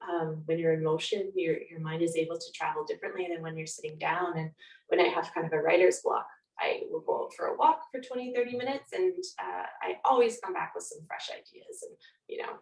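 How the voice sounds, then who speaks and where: A woman's voice: lowish voice, gravelly. A Canadian woman speaking casually as an interview guest, thinking aloud reflectively in loose, trailing clauses. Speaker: podcast guest, nonfiction author. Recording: roomy echo, distant from microphone.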